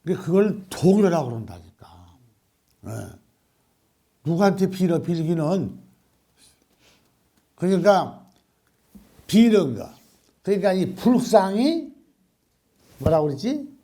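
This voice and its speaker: Animated older monk preaching. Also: male voice, high-pitched, slow, pauses often. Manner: animated, questioning the audience, laughing. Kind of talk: Buddhist dharma talk to a congregation.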